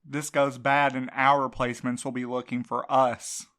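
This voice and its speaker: A woman's voice: very deep voice, level tone, moderate pace, a bit bright. A woman voicing a blunt, sardonic widowed courier in an audio drama. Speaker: night courier.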